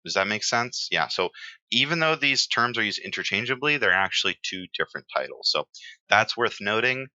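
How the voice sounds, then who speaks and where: Low-voiced chatty male exam tutor. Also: a little fast, no room sound, muffled recording. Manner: relaxed, chatty, many fillers. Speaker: exam prep teacher. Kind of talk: casual lecture with pauses.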